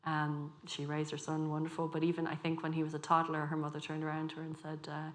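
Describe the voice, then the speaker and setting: A Dublin woman in her thirties speaks on a festival panel. Her voice sits low and stays flat, with little rise and fall. She tells her account in a measured, reflective way. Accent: Dublin Irish. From Ireland. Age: 30s. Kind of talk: panel discussion.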